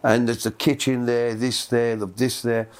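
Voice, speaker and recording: A man's voice: medium pitch, level tone, moderate pace. A middle-aged man, telling a long story in casual conversation, rambling and repeating words as he goes. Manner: rambling, repeats words, acts out voices in quotes. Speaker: guest.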